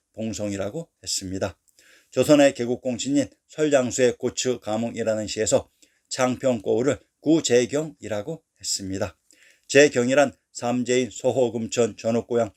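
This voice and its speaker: Measured man reading history commentary. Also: medium pitch, darkish tone. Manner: measured, slows to spell out lists of place names. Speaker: narrator of a history series.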